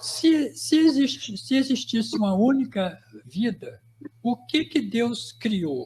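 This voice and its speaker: It's a man speaking. His intonation is lively. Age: 60s. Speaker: spiritist study presenter. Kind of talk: radio religious study talk. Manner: halting.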